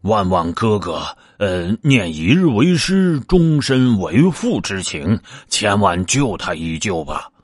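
A sly pig disciple coaxes and pleads, stumbling over fillers, as a man voices him. He talks slowly with a husky voice that rises and falls a lot. The recording is dry. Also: lowish voice, very animated, dry recording, full character voice. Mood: coaxing. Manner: coaxing, pleading, hesitant fillers.

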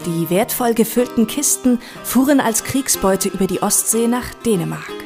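A woman's voice: a little high, expressive, normal speed, music in the background. A woman delivering scripted documentary narration as a storyteller of history.

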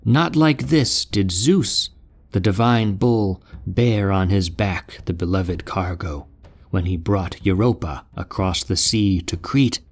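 A man's voice: low-pitched, slow pace, full character voice. A man voicing a doomed male mouse in a storybook epic, speaking with solemn gravity. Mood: lamenting. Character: doomed male mouse, fearful then defiant.

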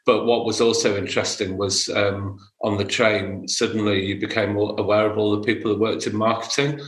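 A man with a fairly low voice talks casually about marketing, restarting and repeating words as he goes. The recording has a noticeable roomy echo. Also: level tone, fairly quick. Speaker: podcast co-host. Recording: echoey room.

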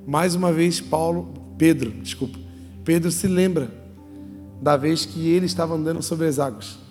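Brief: Brazilian man preaching, high voice, long echoing hall reverb, animated and joking. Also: moderate pace. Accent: Brazilian Portuguese. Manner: humorous, animated, acts out voices. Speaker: pastor. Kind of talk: sermon told as lively storytelling. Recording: reverberant hall, faint music.

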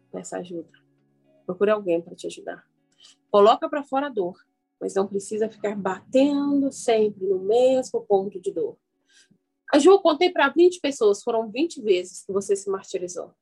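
A woman's voice: mid-range voice, warm tone, breathy edge. A Brazilian woman hosting a motivational self-help radio program, instructing listeners directly with emphatic repetition and guided declarations, with music behind her.

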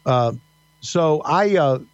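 Middle-aged male guest with a faint Southern accent, halting storyteller, dry, slightly muffled audio. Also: on the high side, animated, clear, resonant tone, no room sound. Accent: slight Southern American. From Virginia mountains. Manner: halting, many fillers and restarts. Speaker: podcast guest, wrestling announcer. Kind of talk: casual interview storytelling. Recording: dull dry podcast audio.

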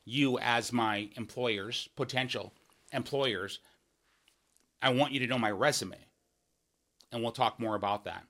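A political candidate from Washington State hosts a podcast, laying out his policy plans in a monologue. His mid-range, fairly bright voice moves a little slowly with frequent pauses. He's earnest and emphatic, restarting phrases and dropping in "right?" asides.

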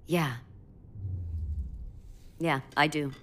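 Quiet thoughtful space crew woman, deep for a lady, faint noise behind. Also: fairly even intonation, very slow, heavily acted. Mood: reflective. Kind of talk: naturalistic sci-fi audio drama acting.

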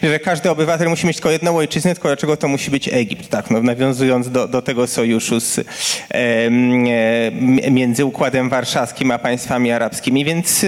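A man's voice: mid-range voice, fairly even intonation, moderate pace, few pauses. A young adult man, a historian, explaining an answer at a public discussion, searching for words as he goes. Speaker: historian on a panel.

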